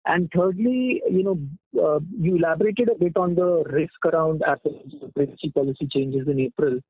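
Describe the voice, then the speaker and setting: A man with an Indian accent asking questions as an analyst on an earnings call, halting and hesitant. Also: a little high, no room sound. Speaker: financial analyst caller. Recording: tinny dry phone line.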